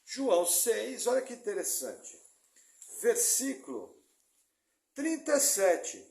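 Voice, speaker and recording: High-voiced joking preacher man. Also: takes it slowly, gravelly. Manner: lively, joking preaching with mimicked congregation quotes. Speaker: pastor. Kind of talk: sermon. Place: church hall. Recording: echoey church hall.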